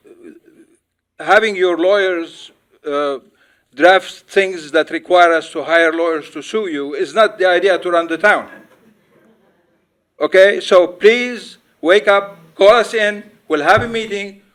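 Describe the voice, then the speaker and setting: A man's voice: sits high, fairly bright tone. A man who owns a winery, speaking during public comment at a town board meeting in an exasperated, pleading and scolding way, at a podium microphone in a town hall meeting room.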